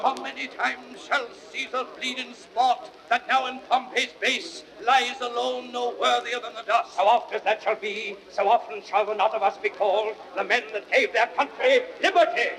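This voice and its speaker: High-pitched, fervent Roman assassin declaiming. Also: male voice, a bit bright, poor audio. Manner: declamatory, ringing, theatrical. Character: exultant Roman assassin proclaiming liberty, fervent and lofty. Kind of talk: 1930s American radio Shakespeare acting.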